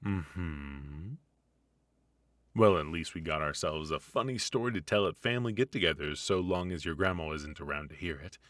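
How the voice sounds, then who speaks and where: A man's voice: low voice, lively intonation, normal speed, a bit bright, no room sound. A man playing a retired supervillain husband in a comedic ASMR roleplay, teasing and doting with a theatrical, conversational delivery. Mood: wry, teasing.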